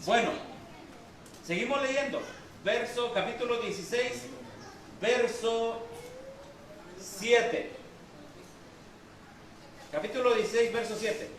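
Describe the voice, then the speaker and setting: A man's voice: very high-pitched, takes it slowly, pauses often, a little hiss or hum. A man preaching a sermon and reading from the Bible, quizzing the congregation with questions as he goes. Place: church hall. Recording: very echoey hall, from far off.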